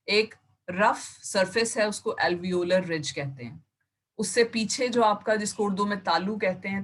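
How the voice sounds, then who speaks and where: A woman teacher runs an online class over a video call, speaking into a computer mic. She explains terms step by step in Urdu mixed with English words, in a medium-pitched, slightly bright voice.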